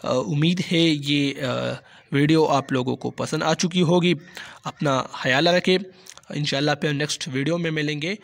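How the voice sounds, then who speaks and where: A man with a Pakistani Urdu accent explaining points in a measured lecture, often pausing on hesitant fillers. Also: on the high side, gravelly. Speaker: teacher.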